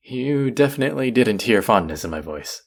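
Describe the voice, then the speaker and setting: A man's voice: mid-range voice, gravelly, exaggerated voice. A man playing a cocky, bickering chef in an intimate audio roleplay, with a teasing, sardonic and condescending manner. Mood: teasing, defensive. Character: cocky, bickering male chef, grudgingly fond rival. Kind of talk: intimate audio roleplay acting addressed to listener.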